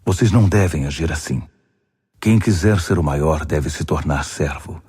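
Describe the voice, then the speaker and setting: Bible audiobook master, acted by a male reader: very low voice, calm authority, solemn and instructive. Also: moderate pace, slightly rough, no room sound, studio quality, full character voice.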